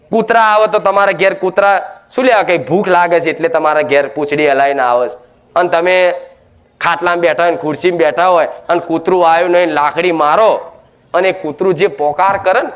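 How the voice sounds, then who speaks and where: A man preaching a devotional sermon, emphatic and scolding, full of rhetorical questions. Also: high voice.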